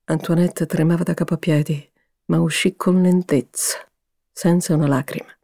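Woman reading a story aloud, fairly low voice, dry close mic, steady and expressive. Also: normal speed, gravelly, dry recording. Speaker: audiobook narrator. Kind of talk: scripted narration.

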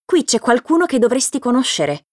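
A woman's voice: fairly high pitch, big pitch swings, a little fast, a little mellow, no room sound, clean studio sound, voice pushed up. A woman voicing a young male woodpecker who is proud and easily offended, speaking in a teasing, indignant way.

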